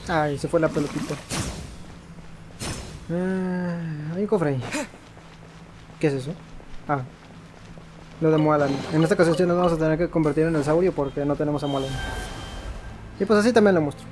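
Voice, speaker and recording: A man's voice: a little high, fast, long pauses. A man with a Mexican accent giving casual, slangy and playful commentary on a video game. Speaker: gaming video host. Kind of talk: casual let's-play commentary. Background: faint game music.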